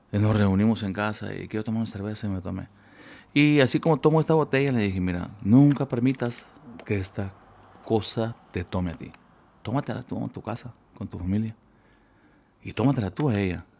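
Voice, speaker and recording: A man's fairly low voice at a fairly quick pace, with ordinary pitch variation, long, frequent pauses and big swings in loudness. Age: 60s. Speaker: singer and band leader; interview guest. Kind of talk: interview. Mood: emotional, heartfelt storytelling. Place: studio. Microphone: studio mic.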